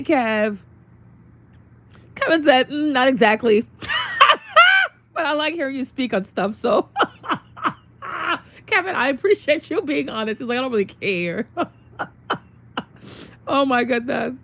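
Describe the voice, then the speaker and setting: A young woman with a worn-out, hoarse voice chatting casually with viewers on her livestream, greeting them and laughing often. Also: a little high. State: losing her voice. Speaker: livestream host. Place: home room.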